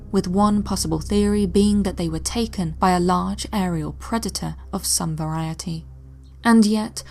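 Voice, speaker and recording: A woman with a fairly low voice narrates a mystery from a script at a measured pace. Every so often she sinks into a hushed near-whisper, while soft music plays quietly beneath her.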